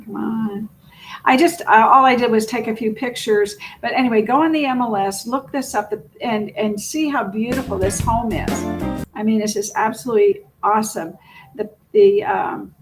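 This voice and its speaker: A woman's voice: mid-range voice, slight background noise, low-quality recording. A woman presenting a casual unscripted video as a real estate agent, chatty, rambling and self-deprecating.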